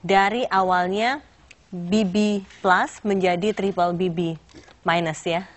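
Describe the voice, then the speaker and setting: A woman's voice: medium pitch, fairly even intonation, takes it slowly. A woman hosting a broadcast panel interview, asking probing questions and interjecting with follow-ups. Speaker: TV talk show host.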